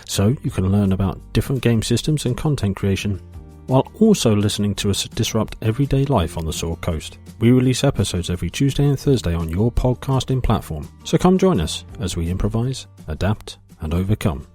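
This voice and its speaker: Low, mellow man reading a podcast promo. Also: very animated, fairly quick, husky. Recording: light music under the voice.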